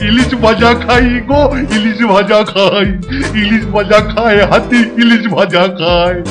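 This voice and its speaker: Gluttonous cartoon superintendent, west bengal accent, high slow babbly voice, music behind. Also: male voice. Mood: greedy delight. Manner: humming, babbling, repeating words greedily. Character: gluttonous, excitable middle-aged male hostel superintendent. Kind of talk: exaggerated Bengali cartoon voice acting.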